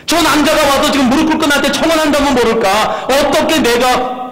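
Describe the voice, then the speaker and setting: Indignant young widow, protesting and incredulous, as a pastor acts her out; high voice, long hall reverb. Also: fairly even intonation, brisk, fairly bright tone.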